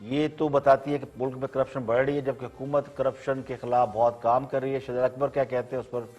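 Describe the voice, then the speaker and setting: A male news show host with a Pakistani Urdu accent, delivering measured, ironic scripted commentary. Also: medium pitch, little pitch movement, a little mellow, dull audio.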